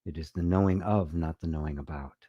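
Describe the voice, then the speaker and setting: A middle-aged man, a spiritual teacher, giving an unhurried, reflective talk and answering viewers' comments. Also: extremely low pitch, mellow, no room sound, lo-fi sound. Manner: unhurried, reflective, often ending with "right?"; reads viewer comments aloud. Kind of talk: live-streamed satsang talk.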